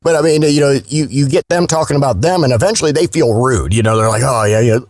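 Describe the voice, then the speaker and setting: A man's voice: medium pitch, fast talker, darkish tone, dry recording, studio quality. A man speaking as a guest voice actor in a casual podcast interview, candid and salty-tongued.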